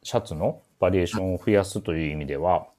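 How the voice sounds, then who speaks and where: A man hosting a menswear shop radio show, talking casually and politely about clothes, often pausing to think aloud. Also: low voice, dark tone. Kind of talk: casual radio-style talk introducing clothes.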